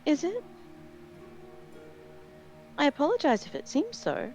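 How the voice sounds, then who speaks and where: A woman's voice: high-pitched, huge pitch swings, a little slow, a little mellow, faint music behind, pitched above the performer's own voice, full character voice. A woman voicing a courteous, evasive woman with a Romanian accent in a tabletop game. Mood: innocent, polite. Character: polite, evasive woman exploring a church.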